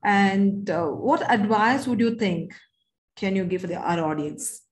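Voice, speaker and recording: A woman's voice: medium pitch, a little slow. A middle-aged woman with an Indian accent hosting a conversational live talk show, speaking earnestly and emphatically, straight to viewers. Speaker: talk show host and communication coach. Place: indoors on a video call.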